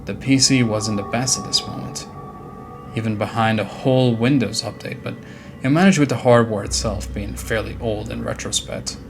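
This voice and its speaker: A man's voice: mid-range voice, normal speed. A man narrating a scripted horror story in a dramatic storytelling style. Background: faint music.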